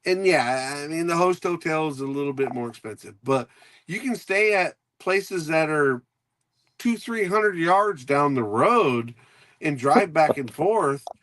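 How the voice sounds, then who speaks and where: A man's voice: a little high, expressive, a little slow, fairly bright tone, no echo. A man co-hosting a casual talk show, rambling and laughing as he tells stories and repeats himself. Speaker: co-host. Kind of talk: casual chat.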